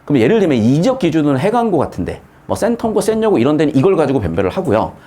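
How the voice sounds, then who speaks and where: A middle-aged man teaching grammar in a casual lecture, asking rhetorical questions and dropping blunt slangy asides. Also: very fast. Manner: lively, swings pitch widely, asks rhetorical questions, blunt slangy asides. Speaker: Korean grammar tutor.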